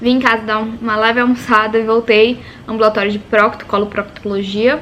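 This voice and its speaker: Amid noticeable background noise, a woman talks with a fairly high pitch. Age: 20s. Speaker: medical student and vlogger. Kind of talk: study vlog. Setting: at home at desk.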